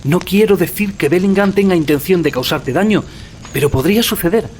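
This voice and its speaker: An actor playing an anxious, earnest young student in an audio drama, speaking in urgent, solemn warnings. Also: male voice, sits high, brisk, a little mellow, a little hiss or hum, lightly acted. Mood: pleading, fearful. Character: anxious young male student, earnest, secretive clergyman's son.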